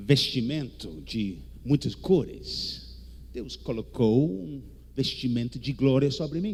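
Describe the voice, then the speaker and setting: Speaking very slowly with a non-native accent, the voice carries audible room echo. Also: man. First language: English (speaking Portuguese). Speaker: visiting evangelist preacher. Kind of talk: sermon. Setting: church service. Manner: animated; halting.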